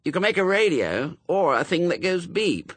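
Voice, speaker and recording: A man's voice: sits high, big pitch swings, moderate pace, a bit bright, no room sound, voice pushed up, exaggerated voice. A man voicing an earnest, sensible boy. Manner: earnest, eager to explain. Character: earnest, sensible eleven-year-old boy.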